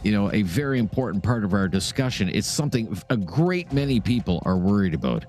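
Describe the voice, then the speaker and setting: A man hosting a radio call-in show, moving between callers with brisk, sympathetic remarks. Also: lowish voice, very animated, a little mellow, faint music behind. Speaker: radio talk show host.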